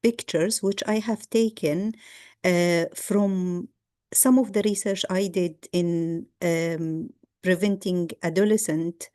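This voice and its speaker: A middle-aged woman from Egypt gives a guest lecture over a video call. She talks at a measured pace, pausing on ums and restarting sentences as she goes. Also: lowish voice, fairly even intonation, dark tone. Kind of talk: online lecture.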